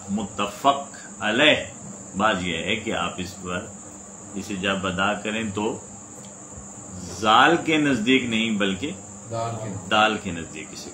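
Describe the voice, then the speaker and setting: A man gives a recitation lesson in a bright, forward voice. He is patient and sounds out each letter slowly, over and over. The room is echoey, with faint insects chirping behind him. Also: on the low side, a little hiss or hum. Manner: patient, demonstrates sounds by repeating them slowly. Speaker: religious teacher. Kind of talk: spoken lesson on Quranic recitation.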